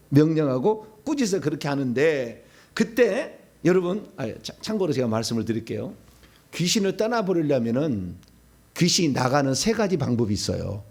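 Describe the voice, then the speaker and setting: A middle-aged male pastor giving a sermon, preaching animatedly and acting out demons' pleas and shouted commands. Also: a little high, vocal fry, slightly rough.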